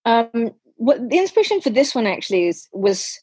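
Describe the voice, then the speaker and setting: A woman's voice: on the high side, big pitch swings, normal speed, a little mellow, slightly rough, no echo, soft background music. A woman in her fifties from England, an author chatting casually in an interview with wry humor. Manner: wry, self-deprecating humor. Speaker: author guest.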